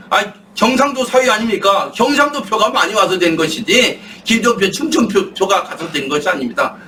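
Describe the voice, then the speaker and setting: A high-pitched middle-aged man holds forth on politics, firing off rhetorical questions and then answering them himself. His voice builds to emphatic outbursts. He is recorded from some distance, and a faint ambient hum runs underneath. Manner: emphatic, rising to shouts when worked up. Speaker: guest speaker. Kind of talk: impassioned political talk.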